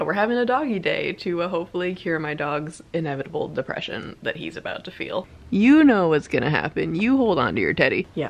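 A woman's voice: sits low, creaky, breathy edge. A young woman chatting casually to camera in her vlog, giggly and teasing. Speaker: vlogger.

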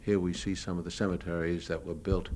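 An American man who was a newsreel cameraman talks through his old home movies in an unscripted, matter-of-fact way, reminiscing hesitantly as he explains his shots. His low, darkish voice is flat and a little fast. The old live recording carries light background noise.

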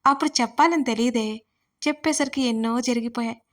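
A woman storyteller voicing an affectionate, gently teasing young man in a romance audio story. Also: on the high side, brisk, natural voice. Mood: fond.

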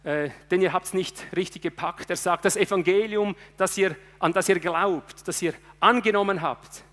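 A high-pitched male preacher delivers an impassioned sermon. He swings between forceful bursts and quiet, hushed asides. His voice rings with a long hall reverb. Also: moderate pace.

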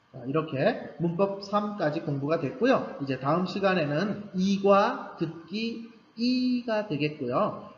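A man teaching a Korean language class to beginners, patiently repeating key points with emphasis. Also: high-pitched. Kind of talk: recorded grammar lecture for beginners. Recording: roomy, slightly dull recording with faint background hum.

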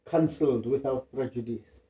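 A man's voice: mid-range voice, moderate pace, dark tone, poor audio. A man in a casual chat, giving brief responses as a listener. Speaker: listener, interviewer.

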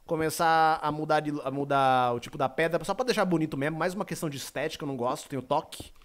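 A man's voice: on the high side, quick pace, a bit bright. A young man from Brazil with a Brazilian Portuguese accent, chatting playfully on a live stream while gaming and reading his chat aloud. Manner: playful, joking, reads chat aloud, rambling.

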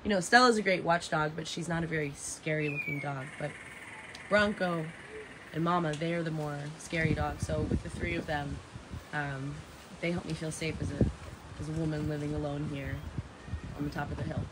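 A woman in her thirties with a raspy voice, chatting casually and dramatically to live stream viewers, repeating phrases for emphasis. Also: low voice, steady tone, moderate pace. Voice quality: raspy from heavy singing. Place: open porch of a house and its garden, outdoors. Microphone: phone at arm's length. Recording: noisy outdoor phone recording.

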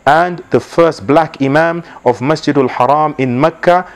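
Formal man addressing the camera. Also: a little high. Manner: measured, formal, opens with Arabic blessings. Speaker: organization leader. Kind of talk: scripted promotional address. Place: indoor library with bookshelves. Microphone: lapel mic.

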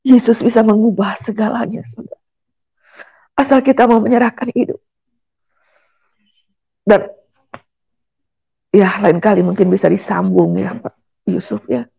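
A woman's voice: mid-range voice, fairly even intonation, unhurried, gravelly, long pauses, warm tone, breathy edge, no room sound, muffled recording. A middle-aged woman from Indonesia gives an earnest personal testimony in church and keeps addressing her listeners directly. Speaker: guest giving a testimony.

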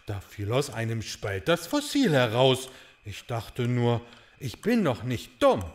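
A man's voice: mid-range voice, wildly swooping pitch, a little slow. A man playing a clumsy, dim but cheerful little creature in a children's audio drama, goofy and hesitant. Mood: goofy, sheepish. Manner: goofy, hesitant, giggle-prone.

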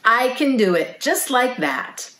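A woman's voice: on the high side, very animated, takes it slowly, sharp tone, reverberant, a little hiss or hum, pitched above the performer's own voice, heavily acted. A woman voicing a self-assured, affectionate lady cat in sing-song rhyme from a children's picture book. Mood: confident, fussy. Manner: confident, sing-song rhyming.

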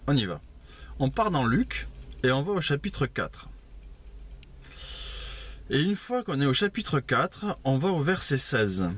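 A man's voice: mid-range voice, very animated, a little slow, pauses often, fairly bright tone, breathy edge. A man giving an informal Bible teaching at a house church, conversational, with many fillers and asides. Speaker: preacher.

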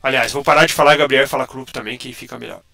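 A man's voice: medium pitch, fast, creaky, pushed and bright, faint music behind. A man hosting a live online panel chat over a video call, his voice turned metallic and robot-like by an audio glitch, jokey and teasing. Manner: jokey, teasing, laughs often. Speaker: host of a publisher's live show. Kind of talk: casual livestream panel chat.

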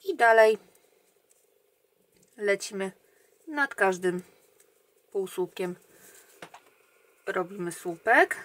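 A woman talks slowly and patiently through a crochet tutorial, counting each stitch under her breath. Her voice sits at a middle pitch, and she lets many counts fade down to near a murmur. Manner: calm, counting stitches aloud, often trailing off quietly. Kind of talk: step-by-step crochet instruction.

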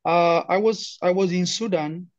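A young Ethiopian man with a fairly high, even voice speaks haltingly in a casual conversation. His accent is Ethiopian and he often repeats words. The sound is a dull, lo-fi online call. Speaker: career guidance client, refugee newcomer. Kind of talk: casual conversation, introducing himself.

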